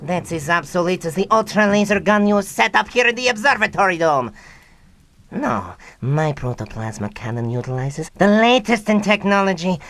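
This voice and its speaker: An actor, a man, playing a petulant young mad scientist villain with a pompous, excitable delivery in a comedic radio drama. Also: sits high, normal speed, heavily acted. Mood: gloating, menacing. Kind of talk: comedic old-time radio drama acting.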